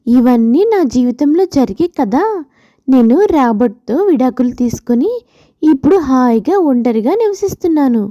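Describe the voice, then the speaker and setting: A woman's voice: high-pitched, animated, normal speed, warm tone, no echo, clean studio sound. A woman voicing a bossy, scheming divorced friend in a story, insistent and goading as she gives advice. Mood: insistent warning.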